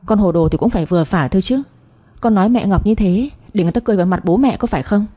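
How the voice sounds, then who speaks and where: A woman's voice: medium pitch, brisk, dark tone, natural voice. A woman voicing a stern older father-in-law who scolds his daughter in a read-aloud story. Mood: angry.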